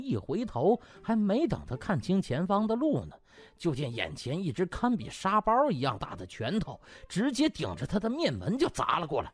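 A man's voice: fairly high pitch, breathy edge. A man narrating a comic novel as an audiobook, theatrical and colloquial in his delivery. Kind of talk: comic scripted storytelling.

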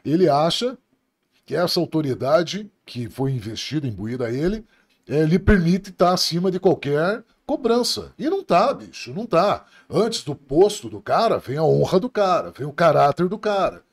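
A man's voice: on the high side, sing-song, moderate pace. A middle-aged man from Brazil, a police officer telling stories on a podcast in a blunt, profane, laughing way. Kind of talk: casual podcast storytelling.

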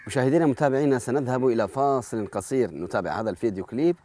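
A man's voice: mid-range voice, very fast, mellow. A man hosting a TV contest show, speaking formal Arabic, addressing viewers and praising the contestant. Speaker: TV show host. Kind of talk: formal broadcast presenting.

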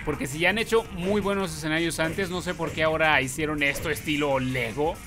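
Excitable high-voiced gaming YouTuber man. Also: brisk, music in the background. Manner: excitable, loud exclamations and playful yelps. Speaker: YouTube gamer host. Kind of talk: gameplay commentary.

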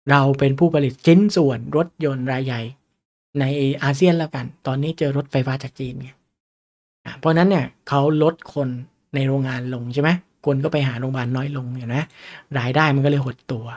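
A man's voice: medium pitch, a little mellow. A man giving a chatty lesson on reading stock charts, often throwing questions at his listeners. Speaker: stock market teacher. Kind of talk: casual lecture on stock charts.

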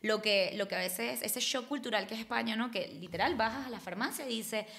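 A woman's voice: fairly high pitch, a little fast, vocal fry, fairly bright tone. A woman, a podcast guest talking emphatically in a casual chat, recorded on a desk mic in a small studio. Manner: emphatic, gestures a lot, restarts often. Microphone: desk microphone.

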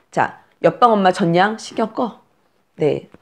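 A woman's voice: medium pitch, gravelly, a little mellow. A woman teaching new mothers about breastfeeding, direct and emphatic, giving blunt commands and acting out scenes. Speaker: postpartum care and breastfeeding instructor. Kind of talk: coaching lesson to new mothers.

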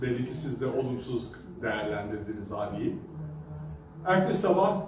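A male pastor giving a sermon at a pulpit microphone, telling stories in a conversational way with hesitant fillers. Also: mid-range voice. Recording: echoey hall from a distance with background noise.

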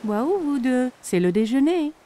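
A woman's voice: high voice, very animated, unhurried, very noisy. A woman playing a caring, cheerful mother in a cartoon, with a motherly, attentive manner. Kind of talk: cartoon dub acting.

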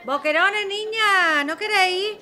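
An actress playing a hearty street fish seller in an audio drama, with drawn-out vendor's calls. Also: female voice, very high voice, sharp tone, soft background music, exaggerated voice. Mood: hearty, calling out. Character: hearty female street fish seller crying her wares. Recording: market crowd behind.

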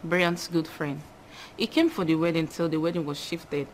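A teasing, gossipy friend with a low voice, played by a woman, recorded with clear room ambience behind her. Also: fairly even intonation, moderate pace, slight background noise, close to an everyday voice, rough recording. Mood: flirty. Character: flirty female friend crushing on a guest.

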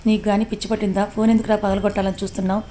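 A woman voicing a loyal male friend who gently scolds and reassures his grieving friend. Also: medium pitch, little pitch movement, very fast, a little hiss or hum, lightly acted. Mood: consoling.

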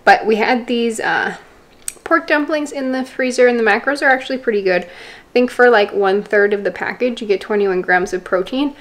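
A woman's voice: a little high, normal speed. A woman fitness vlogger chatting casually at home, explaining what she makes as she goes. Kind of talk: casual vlog chat. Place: home kitchen.

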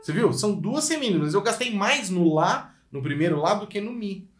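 A man's voice: high voice, moderate pace, echoey room, loud music behind the voice. A man with a Brazilian Portuguese accent, giving an online violin lesson, speaking straight to the viewer with energy. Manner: energetic, addresses viewer directly, sings phrases to demonstrate. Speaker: violin teacher.

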